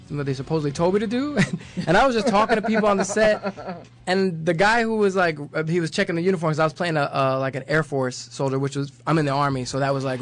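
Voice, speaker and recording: Fast-talking easygoing man guest. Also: on the high side. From New York. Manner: rambling and easygoing, quick to laugh. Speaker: radio guest. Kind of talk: casual interview talk. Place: radio studio. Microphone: studio microphone.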